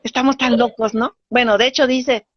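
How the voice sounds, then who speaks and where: Lady teaching spiritual stuff, acts out bits, kinda high voice, muffled dry sound. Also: moderate pace, no echo. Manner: animated, acts out voices in dialogue. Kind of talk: teaching talk.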